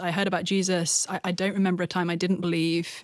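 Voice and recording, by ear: A woman with an English accent, fairly low pitch, little pitch movement and a fast pace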